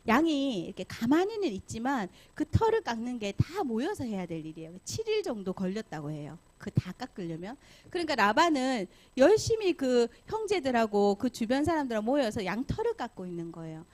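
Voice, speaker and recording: A middle-aged woman, a pastor's wife, telling a Bible story to a Sunday school class and asking the children questions. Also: fairly high pitch. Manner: animated, asks the children questions.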